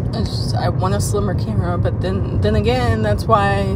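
Loud background noise sits behind a woman's voice, which is recorded dry with no echo. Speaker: mom vlogger. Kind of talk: casual vlog chat. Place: car. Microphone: phone near.

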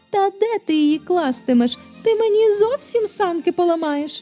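A woman's put-on character voice at an extremely high pitch and moderate pace, with faint music in the background. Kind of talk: bedtime story voice acting. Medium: read story. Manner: lively, bossy.

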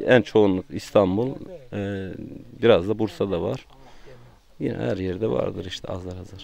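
At a fairly slow pace with long, frequent pauses, the voice shows ordinary pitch variation and big swings in loudness, in a dry sound with no echo and light background noise. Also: man, fairly low pitch for a man. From Turkey. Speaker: villager. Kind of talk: casual interview. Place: garden. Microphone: handheld.

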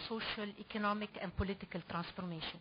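In an Arabic accent, a woman speaks at a medium pitch with fairly even intonation. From Egypt. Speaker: civil servant. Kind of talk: panel discussion. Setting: conference room with audience.

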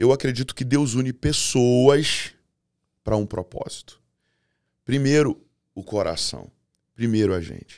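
Against a quiet background, a man speaks at a fairly slow pace with ordinary pitch variation and long, frequent pauses. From Brazil, Rio de Janeiro. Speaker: church singer; podcast guest. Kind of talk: casual chat. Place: studio. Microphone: studio mic.

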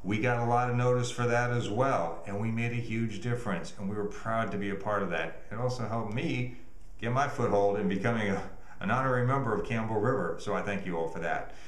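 Talking very fast with ordinary pitch variation, a man is heard with audible echo from the room. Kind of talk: casual vlog talk, like a motivational talk. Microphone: webcam.

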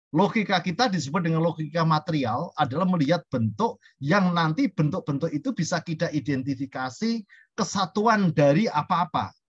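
A man talks at a fairly quick pace in a high voice. His intonation is lively, and the sound is dry and close with no echo. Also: very even loudness. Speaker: art education expert. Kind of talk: lecture. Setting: video call. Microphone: choppy connection.

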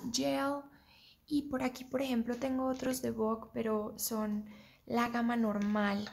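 Her pitch is high and her intonation fairly even. The woman talks at a fairly slow pace. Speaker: ASMR creator. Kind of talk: ASMR soft-spoken nail care talk. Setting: home, talking to camera while doing manicure. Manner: soft-spoken, relaxed. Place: home room.

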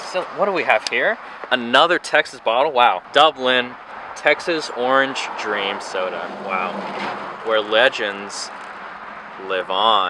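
A man with ordinary pitch variation and long, frequent pauses, a dry sound with no echo and loud background noise. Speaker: vlogger. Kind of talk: casual vlog chat. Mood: playful, upbeat. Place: street. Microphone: camera far.

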